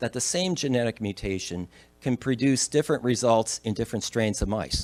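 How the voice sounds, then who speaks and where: A man talks at a fairly quick pace. He speaks with a New Jersey accent. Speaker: biomedical researcher. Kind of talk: conference presentation. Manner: halting, many fillers.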